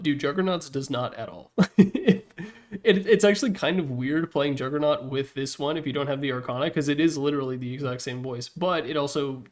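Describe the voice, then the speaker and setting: Casual, blunt guy doing commentary. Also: medium pitch. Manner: informal and blunt, with swearing. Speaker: gaming content creator and host. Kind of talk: casual opinionated tier-list commentary.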